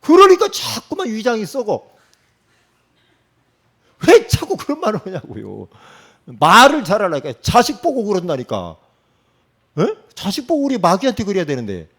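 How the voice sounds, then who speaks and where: A man preaches to his congregation in a casual, teasing way, often checking in with quick prompts. His voice sits a little high and swings widely in pitch as he acts out the lines he quotes. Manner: animated, acts out quoted speech, frequent "응?" prompts. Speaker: pastor. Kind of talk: sermon.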